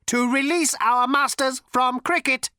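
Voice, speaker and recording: A man voicing an ancient, cold and lifeless robot with a cultured rasp, speaking flatly and patiently. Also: extremely high pitch, a little slow, no room sound, clean studio sound, pitched above the performer's own voice, exaggerated voice. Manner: flat, patient, menacing.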